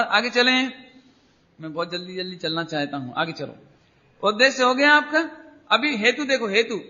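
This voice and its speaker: High, sharp-voiced male preacher. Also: lo-fi sound. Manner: keeps quizzing the audience with rhetorical questions; acts out everyday people in quoted asides. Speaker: spiritual teacher. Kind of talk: religious discourse.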